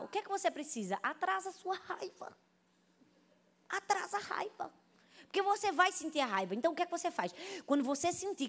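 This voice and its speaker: A Brazilian woman pastor preaching a sermon, telling stories with lively, animated delivery and often turning to the congregation. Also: high-pitched. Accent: Brazilian Portuguese. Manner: animated storytelling, addresses the congregation as "gente". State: pregnant.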